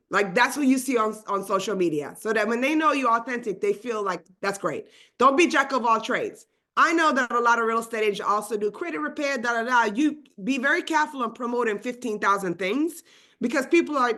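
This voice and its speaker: A woman coach talks quickly and with lots of energy, her voice bright and forceful and pitched a little high. Swedish is her first language. She runs a live online session over a video call mic, piling on asides as she goes. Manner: fast, energetic, chatty, many asides. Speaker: real estate trainer.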